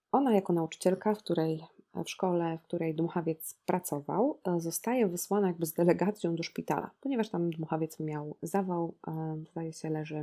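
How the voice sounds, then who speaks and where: A woman's voice: lowish voice, mellow. A woman in her thirties discussing a novel on a podcast, ironic and reflective, with frequent hesitations and rhetorical questions. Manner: asks listeners rhetorical questions.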